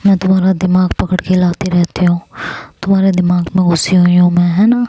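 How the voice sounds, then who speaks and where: A woman's voice: on the low side, little pitch movement, brisk, mellow, natural voice. A woman voicing a playful young woman who teases and coaxes the girl she loves. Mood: teasing. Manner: teasing, coaxing.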